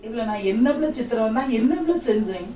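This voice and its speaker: A woman's voice: on the high side, expressive, a little fast, warm tone, slight background noise, close to an everyday voice. A woman playing a tired, teasing husband with a Tirunelveli Tamil accent, pleading again and again with his wife in an amateur family skit. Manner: pleading, repeats his question over and over. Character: weary teasing husband, middle-aged man. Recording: echoey room, mic far off.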